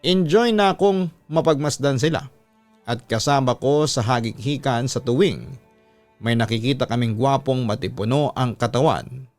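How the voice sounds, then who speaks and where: A man's voice: medium pitch, normal speed, a little mellow, no room sound, soft background music. A man reading a listener's personal letter aloud as a scripted, storytelling radio-style narration.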